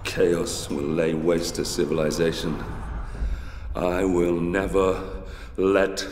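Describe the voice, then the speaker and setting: A very deep, brooding Roman warrior. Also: male voice, little pitch movement, slow pace, a little mellow. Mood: solemn, bitter. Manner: solemn, brooding. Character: grave, embittered Roman warrior narrating his story. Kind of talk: dramatic scripted game narration. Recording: long echoing reverb, faint ambient noise.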